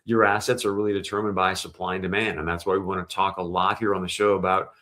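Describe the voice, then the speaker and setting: A man's voice: deep voice, flat delivery, fast talker, a bit bright. A man hosting a show, giving conversational, explanatory industry commentary with emphasis. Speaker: show host.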